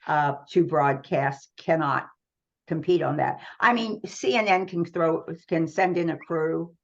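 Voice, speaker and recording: A woman's voice: low voice, a little slow, gravelly, dull audio. A middle-aged American woman speaking as a guest in a conversational interview, explaining things earnestly. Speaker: radio trade magazine publisher, interview guest.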